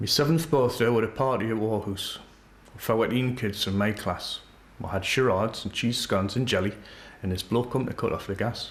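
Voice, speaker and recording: A somewhat breathy male voice in a Geordie accent, at a moderate pace, with ordinary pitch variation. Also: medium pitch for a man. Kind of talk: comic dialect monologue.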